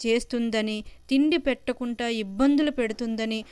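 A woman's voice: on the high side, normal speed, darkish tone, clear, resonant tone, dry recording. A woman telling an emotional family story in earnest, scripted narration.

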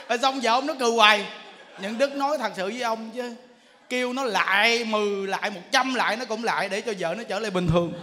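A man, a Buddhist monk giving a humorous dharma talk, acting out little scenes as he tells them. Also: very high-pitched. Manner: animated storytelling, acts out quarrels, laughs often. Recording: long hall reverb, faint noise.

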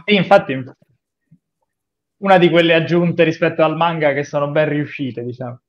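A man's voice: a little high, moderate pace. A man chatting casually in a group anime watch-along over a video call. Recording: dull, lo-fi video-call audio.

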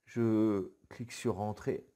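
Slow-talking joking guy. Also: fairly low pitch, fairly even intonation, warm tone, clean tone. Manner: joking, swears casually, many fillers. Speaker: web marketing video host. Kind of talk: casual joking screen demo.

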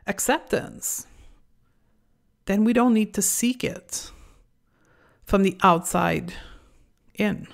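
A woman with a French accent hosting a solo podcast, talking in an earnest, deliberate and reflective way. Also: mid-range voice. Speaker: podcast host.

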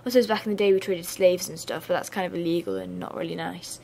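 A young woman, hoarse and losing her voice, giving a chatty revision lesson with casual asides. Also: on the low side, fast talker, darkish tone, slight background noise. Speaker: student revision tutor.

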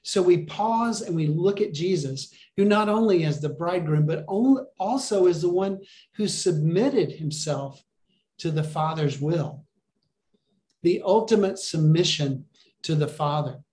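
A man's voice: on the high side, animated, measured pace, a little mellow. Earnest man preaching over a video call. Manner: earnest, encouraging, asks the listeners questions. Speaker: pastor. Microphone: video call webcam.

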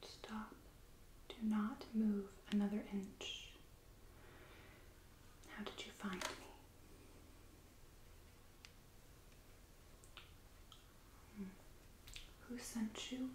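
A woman playing a mysterious, softly menacing witch shopkeeper in a hushed, deliberate ASMR role play. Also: medium pitch, steady tone, roomy sound, background noise, close to an everyday voice. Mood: wary, secretive. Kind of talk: soft-spoken whispered ASMR role play. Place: small indoor room, candlelit set.

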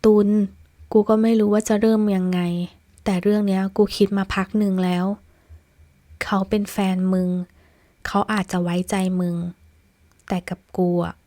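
A woman's voice: mid-range voice, flat delivery, mellow, no room sound, close to an everyday voice. A woman voicing an earnest young man who speaks frankly and protectively to his friend. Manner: frank, caring, measured.

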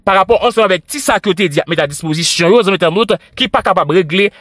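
A man's voice: high-pitched, fast, a bit bright, dry recording, clean studio sound. A man with a Haitian Creole accent narrating a news report in an emphatic manner, repeating phrases for effect.

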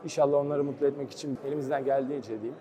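A man's voice: medium pitch, little pitch movement, very fast, crowd noise. A young man speaking earnestly as a goalkeeper in a post-match interview.

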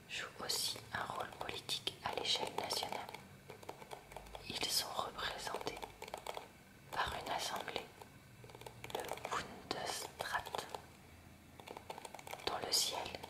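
A woman reading a school lesson aloud in a soft, unvoiced ASMR whisper, slow and careful. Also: distant mic. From France. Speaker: ASMR creator. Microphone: close mic near hairbrush on a table.

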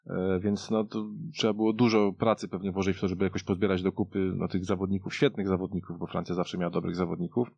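Male pundit, very low and creaky, casual rambling delivery, dull studio recording. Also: little pitch movement, fast talker, few pauses, a little mellow, no room sound. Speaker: football pundit. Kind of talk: casual sports discussion. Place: radio studio. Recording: dull, muffled studio audio.

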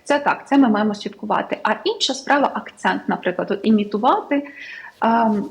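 A woman's voice: mid-range voice, animated, brisk, gravelly, rough recording. A young woman from Ukraine, an English tutor, chatting as a guest in a studio talk show with many fillers. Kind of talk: casual studio interview.

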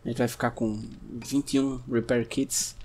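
A man from Brazil giving casual gameplay commentary, chatting to himself and his viewers, sometimes breaking into sudden shouts. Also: medium pitch, flat delivery, measured pace, breathy edge. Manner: chatty, talks to himself and the audience, bursts into shouts at scares. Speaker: gameplay streamer.

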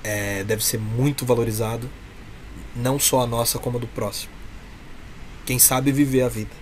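A man's voice: mid-range voice, steady tone, normal speed. Brazilian man, heartfelt, over noisy webcam audio. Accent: Brazilian Portuguese. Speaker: interview guest, clown performer from a humour troupe. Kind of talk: earnest conversational interview. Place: small room with a curtain backdrop.

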